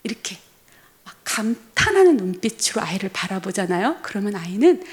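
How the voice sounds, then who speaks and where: A woman's voice: mid-range voice, normal speed. A woman preacher giving a sermon in a church, telling stories animatedly and speaking to the congregation. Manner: animated storytelling with acted quotes, addressing the congregation.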